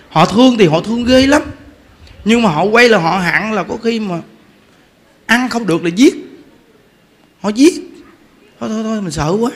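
Man, Southern Vietnamese accent, high voice, Buddhist preacher, comic storytelling, stutters and repeats for effect. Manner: animated storytelling, repeats words, laughs often. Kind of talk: humorous dharma talk.

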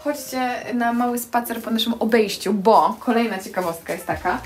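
A woman's voice: on the high side, normal speed. A young adult woman giving a casual, enthusiastic house tour to camera as a vlogger. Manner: enthusiastic, effusive. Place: small stone house and outdoor terrace.

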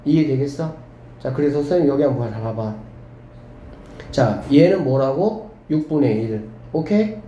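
A man teaching a math class to students, lively and often checking whether they follow. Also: medium pitch, normal speed, highs cut off. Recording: echoey room with faint background hum.

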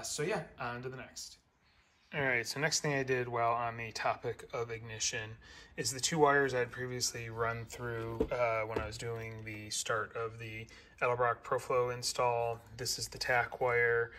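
A man's voice: mid-range voice, sharp tone. A middle-aged man talking through his car build in a garage, plainly and methodically, with lots of "uh" and "um". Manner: plain, methodical, many "uh" and "um" fillers. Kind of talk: casual build-update narration. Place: garage workshop.

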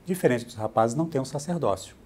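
A middle-aged church bishop with a Brazilian accent, appearing as an interview guest, explains things patiently and steadily in a mid-range voice at a fast pace, frequently tacking on "né". He's indoors in a bright, furnished room.

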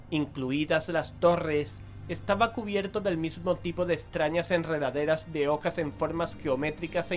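Man as a higher-voiced resolute investigator over music. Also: natural voice. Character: resolute, solemn male investigator leading and narrating. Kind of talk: dramatic scripted audio drama narration.

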